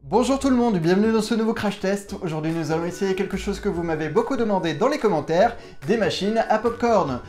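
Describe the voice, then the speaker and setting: A man's voice: high voice, fast talker, hardly any pauses, darkish tone, soft background music. A man hosting a casual unboxing vlog, talking to viewers in a playful, self-mocking way from a room at home. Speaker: YouTube host testing gadgets.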